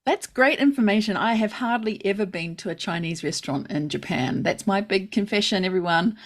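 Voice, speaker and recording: A woman's voice: medium pitch, brisk. A woman hosting a podcast interview, chatting casually and encouraging her guest with enthusiasm. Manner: enthusiastic, encouraging, laughs often. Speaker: podcast host.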